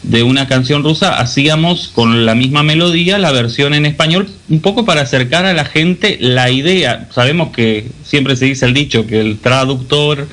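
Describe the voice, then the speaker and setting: A man, a musician answering interview questions in a relaxed, rambling way with many restarts. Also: medium pitch, moderate pace, few pauses. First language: Spanish. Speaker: musician guest.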